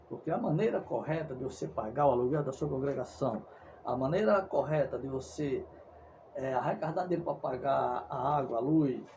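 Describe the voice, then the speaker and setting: A man's voice: fairly high pitch, mellow, slight background noise. A Brazilian man preaching a fervent monologue, insistent and repetitive, sometimes stumbling over his words. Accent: Brazilian Portuguese. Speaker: evangelical preacher.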